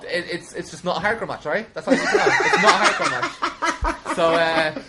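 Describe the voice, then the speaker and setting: A man's voice: on the high side, expressive, brisk. A man chatting casually as a podcast guest, jokey and rambling, swearing freely. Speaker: podcast guest, wrestling show booker. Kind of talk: casual chat. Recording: clearly noisy background.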